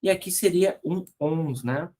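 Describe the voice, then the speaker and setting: A man's voice: on the high side, mellow. A man with a Brazilian Portuguese accent teaching an online grammar lesson, explaining rules patiently and checking in with frequent tag questions. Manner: spells out letters slowly, corrects slide errors aloud.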